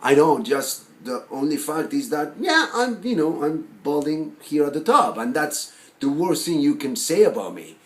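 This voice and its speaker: A man performing a monologue as a neurotic, self-deprecating, lovelorn forty-year-old who rambles haltingly. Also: a little high, sing-song. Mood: loud, nervy. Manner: halting, rambling, full of fillers and restarts. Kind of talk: dramatic film monologue acting. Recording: roomy echo with faint background noise.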